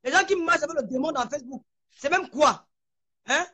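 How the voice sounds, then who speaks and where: A woman's voice: high-pitched, brisk, sharp tone. A woman in a heated online video rant, furious and shaking with anger, hurling insults and stammering over repeated words. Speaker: social media personality.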